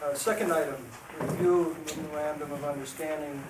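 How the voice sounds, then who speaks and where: A man's voice over noticeable background noise. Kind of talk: meeting chairing. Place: meeting room. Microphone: camera far.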